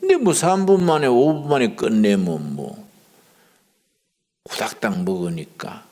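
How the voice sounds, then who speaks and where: The delivery is very slow. Audible echo fills the room. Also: man. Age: 70s. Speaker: pastor. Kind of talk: sermon.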